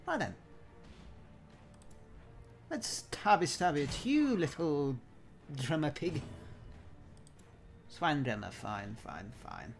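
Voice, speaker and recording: Male let's play commentator: theatrical, mock-genteel put-on accent, leisurely pace, swooping mid-range pitch, playful delivery. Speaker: gamer commentating own play.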